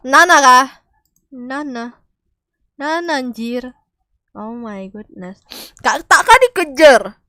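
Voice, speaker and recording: A woman game streamer with a cold and a slightly nasal, stuffy voice, chatting casually and calling out to teammates with loud exclamations and swearing. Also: a little high, dry recording, clean studio sound. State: has a cold. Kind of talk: casual gaming stream chat.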